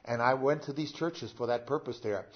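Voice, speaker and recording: An older man, a pastor, preaching a sermon in a conversational way, pausing with "uh" and talking straight to his congregation. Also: medium pitch, muffled recording.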